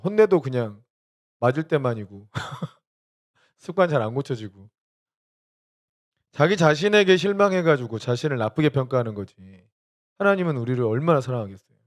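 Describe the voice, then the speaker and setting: Animated man pastor, higher voice. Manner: animated, asks many questions, laughs while telling stories. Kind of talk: discipleship teaching.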